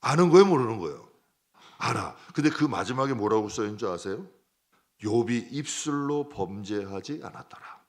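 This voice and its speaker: A male pastor preaching a midweek sermon in a conversational way, swinging between loud outbursts and soft asides, acting out prayers and dialogue. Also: fairly low pitch, lively intonation, moderate pace. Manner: acts out prayers and dialogue in a raised voice.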